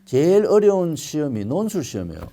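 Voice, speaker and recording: An older male pastor preaching a sermon, telling stories with sudden loud, emphatic swells. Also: on the high side, very animated, brisk.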